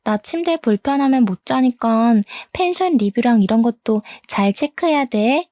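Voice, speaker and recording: A woman voices a young, clingy female part-time worker, speaking coyly and wheedlingly to her lover. Her pitch is fairly high and set above her natural voice yet close to everyday speech, with lively intonation, normal speed and a slightly mellow tone. The studio-quality recording has no room sound.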